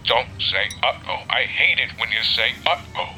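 A man playing a gruff, sardonic older treasure hunter with a dry manner in an audio drama. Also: medium pitch, lively intonation, moderate pace, bright, forceful tone, soft background music, poor audio. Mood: urgent.

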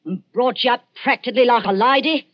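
A woman in 1940s radio acting playing a sharp-tongued, scolding old foster mother with working-class speech. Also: fairly low pitch, slow pace, dry recording. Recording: muffled old radio broadcast with faint music.

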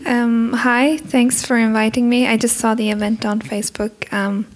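A woman's voice: fairly high pitch, little pitch movement, normal speed. A woman from Norway introducing herself hesitantly, with many ums. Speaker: guest. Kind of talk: self-introduction.

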